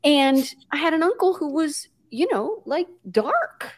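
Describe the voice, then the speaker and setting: A woman's voice: high voice, big pitch swings, a little slow. A middle-aged woman whose family is Puerto Rican but who grew up in the US, a guest telling stories expressively, acting out quotes and mixing in Spanish words. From Puerto Rico background, grew up in the US. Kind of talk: animated conversational storytelling.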